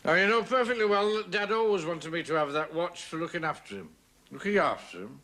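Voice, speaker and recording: A man's voice: fairly high pitch, animated, a little fast, sharp tone. An actor playing a mocking, boozy black-sheep brother who works as a commercial traveller. He is cheeky and taunting and laughs at his own jokes. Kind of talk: 1970s TV sitcom acting.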